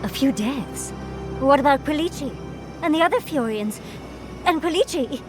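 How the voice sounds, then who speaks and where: Spirited, wry game companion. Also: female voice, high voice, animated, moderate pace, music in the background. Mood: alarmed. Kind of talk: video game dialogue.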